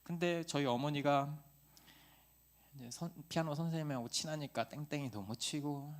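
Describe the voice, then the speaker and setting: A middle-aged male pastor giving a sermon in a conversational, animated way, asking his listeners many questions. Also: fairly high pitch, moderate pace.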